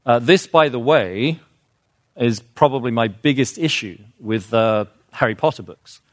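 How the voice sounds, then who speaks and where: A man's voice: medium pitch, unhurried, dry recording, studio quality. A man giving an informal, earnest lecture, explaining with fillers and restarts and growing emphatic on his key points. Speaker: speaker on children's literature.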